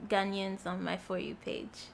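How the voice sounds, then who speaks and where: Young woman guest, relaxed and giggly. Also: mid-range voice, measured pace, vocal fry. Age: young adult. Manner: relaxed, short answers, giggly. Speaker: interview guest. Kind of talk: casual interview chat.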